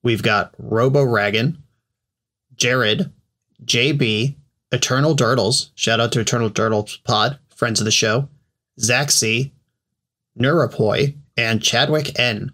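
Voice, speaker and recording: A man co-hosting a podcast, talking in a relaxed, chatty and slangy way. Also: medium pitch, slow. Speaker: podcast co-host. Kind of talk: casual podcast chat.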